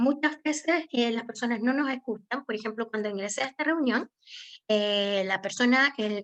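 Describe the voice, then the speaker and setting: A woman with a normal speaking voice talks at a fairly slow pace, her pitch fairly high. Her pitch varies in an ordinary way, and the background is quiet. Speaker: workshop presenter. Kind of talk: lecture.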